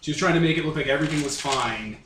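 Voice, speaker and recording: A man's voice: a little high, rapid-fire. Man running a tabletop game, distant and echoey. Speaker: game master. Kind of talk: casual improvised tabletop game narration. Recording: roomy, distant, noisy home recording.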